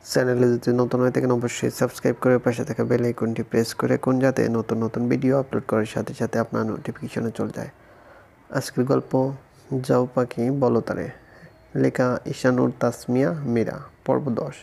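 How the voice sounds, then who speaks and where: A man hosting and narrating a romance audio story in a steady, even reading. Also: mid-range voice, normal speed, vocal fry. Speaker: story narrator, channel host.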